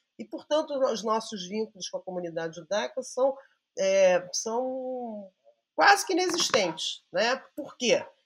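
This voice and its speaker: Fairly high-pitched woman's voice at a fairly slow pace, with very wide pitch swings. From Brazil, Rio de Janeiro. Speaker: history professor. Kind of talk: podcast interview.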